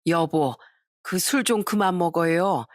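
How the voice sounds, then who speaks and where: Gentle long-suffering old mother-in-law in her sixties in a storybook reading, low and slow, played by a woman. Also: no room sound, studio quality. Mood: weary. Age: 60s. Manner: soft, weary, pleading.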